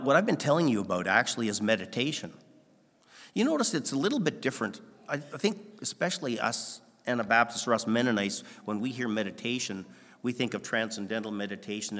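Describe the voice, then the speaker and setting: A man's voice: on the low side, expressive, brisk, fairly bright tone, in a large hall. A male pastor giving a conversational, self-deprecating sermon, acting out dialogues with God.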